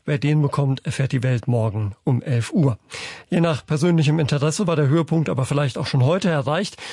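A man presenting the news in a smooth, practiced way, introducing reports. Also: a little high, darkish tone, no room sound, studio quality. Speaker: news anchor.

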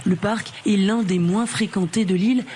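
A woman reporter giving a measured, scripted news narration. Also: medium pitch, a little hiss or hum. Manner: measured, even delivery.

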